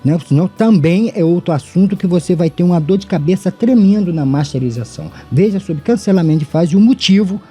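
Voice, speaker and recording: A man's voice: fairly high pitch, dark tone, slightly rough. A middle-aged Brazilian man with a tongue-tied lisp and slushy sh for s, teaching an audio lesson in a didactic way with rhetorical questions. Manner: didactic, addresses listeners formally, asks himself questions. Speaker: audio tutorial host. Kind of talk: informal scripted-free audio lesson. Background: background music.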